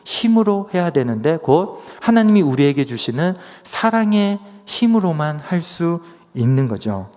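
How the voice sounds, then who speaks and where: A man in his thirties preaches in a fairly high, animated voice, drifting into a casual storytelling manner full of fillers. His words ring out with the long reverb of a church hall. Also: measured pace, hardly any pauses. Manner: conversational storytelling with many fillers. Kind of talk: sermon with personal story.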